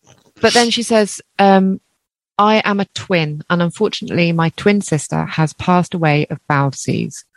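A woman's voice: on the low side, normal speed, no echo. A woman co-hosting a podcast in casual chat, reading out a listener email and laughing often. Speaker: podcast co-host.

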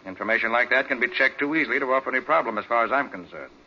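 An American actor playing a confident, brisk master detective in 1940s radio drama style, matter-of-fact and self-assured. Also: male voice, mid-range voice, slightly rough. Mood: cool, businesslike. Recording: dull, noisy 1940s radio recording.

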